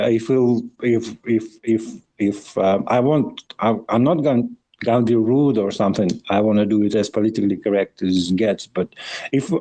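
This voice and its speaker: A man co-hosting a podcast, chatting in a casual, rambling way with halting, hesitant phrasing and repeated words. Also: fairly low pitch, warm tone, low-quality recording. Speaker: podcast co-host.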